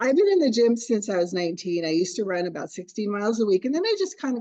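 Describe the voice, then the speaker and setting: A woman's animated voice at a very fast pace. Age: 60s. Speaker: testimonial giver. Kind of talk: testimony.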